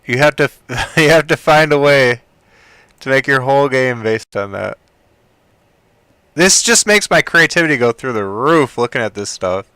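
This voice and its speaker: A man giving casual commentary while browsing, thinking aloud in an excitable way and often trailing off quietly. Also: medium pitch, normal speed, smooth, no room sound. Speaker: hobbyist game developer. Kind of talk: casual screen-recording commentary.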